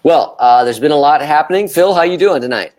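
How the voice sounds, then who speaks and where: A man with a halting delivery, chatting casually as co-host of a live talk show. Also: fairly high pitch, expressive, a little mellow.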